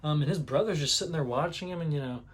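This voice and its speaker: A man retelling a manga chapter in casual commentary, rambling with many fillers and clearing a sore throat now and then. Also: a little high, fast. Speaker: manga reviewer.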